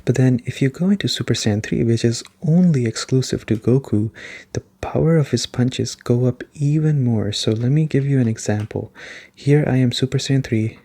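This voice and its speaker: Male ASMR gaming reviewer: soft-spoken, warm and relaxed tone, informal rambling explanations. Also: medium pitch, moderate pace. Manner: rambling, explanatory, often checking in with "right?".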